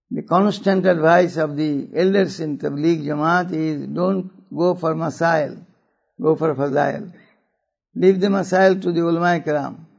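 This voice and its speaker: An older man with a South Asian accent gives a religious talk to an audience, phrasing deliberately and dropping in Urdu and Arabic phrases. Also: a little high, creaky, a little mellow, slightly rough, lo-fi sound. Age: older, 70s or above. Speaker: religious speaker.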